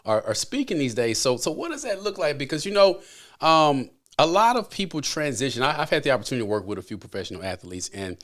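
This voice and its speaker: A man's voice: a little high, sing-song, fast talker, a bit bright. A man hosting a podcast, chatting casually and animatedly, often repeating his phrases. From American South. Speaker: podcast host. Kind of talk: casual interview chat.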